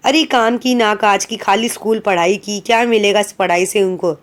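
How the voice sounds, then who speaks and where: A woman's voice: medium pitch, fairly even intonation, normal speed, natural voice. A woman reading aloud as a stern, short-tempered old grandmother who scolds the girls in the house. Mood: scornful. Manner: scornful, raised and scolding.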